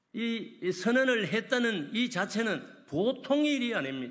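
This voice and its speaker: A man speaks with audible room echo. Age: 80s+. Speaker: honorary university president. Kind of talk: press conference speech.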